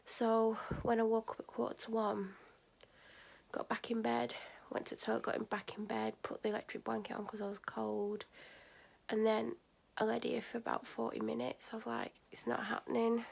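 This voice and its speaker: A woman vlogging while ill and worn out, her voice husky and gravelly from a sore throat. She rambles on with lots of fillers, her pitch staying fairly flat. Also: moderate pace. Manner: tired, rambling, many "like" fillers. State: sick, exhausted, sore throat. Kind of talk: casual vlog chat. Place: bedroom at night, then out by a shop.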